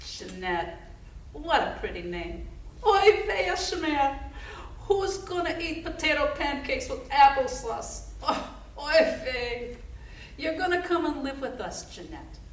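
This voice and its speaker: A woman's voice: high voice, big pitch swings, slow pace, pitched above the performer's own voice, full character voice. A woman acting out a doting middle-aged Jewish foster mother who gushes in a sing-song way, on an echoey stage heard from a distance. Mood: gushing. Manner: gushing, affectionate, sing-song.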